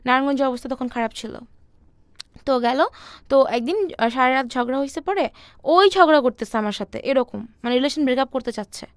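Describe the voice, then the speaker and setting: A young woman, telling her personal story softly and hesitantly with many fillers. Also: sits high, fairly quick, smooth, no room sound. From Bangladesh. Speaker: interview guest.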